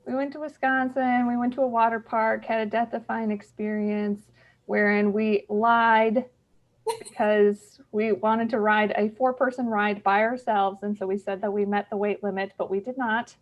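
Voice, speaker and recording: A woman's voice: fairly high pitch, little pitch movement, moderate pace, lo-fi sound. A young woman telling a wry comic story from an improv stage, laughing at her own tale. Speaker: improv monologist. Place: theater stage.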